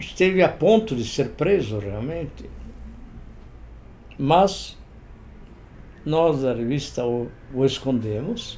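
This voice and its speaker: Somewhat breathy and dark, mellow in tone, the voice moves at a very slow pace with long, frequent pauses and very wide pitch swings. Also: man, medium pitch for a man. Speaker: magazine editor-in-chief, journalist. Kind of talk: weekly commentary to camera.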